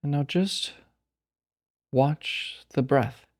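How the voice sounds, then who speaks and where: A meditation teacher guides a session, his mid-range voice calm and unhurried with long pauses between phrases.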